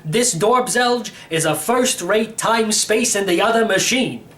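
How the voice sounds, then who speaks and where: A man's voice: high voice, unhurried, fairly bright tone. A man voicing an elderly, slightly crazy uncle in a storybook, rambling and teasing with theatrical emphasis. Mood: excited, urging. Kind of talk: acted storybook reading.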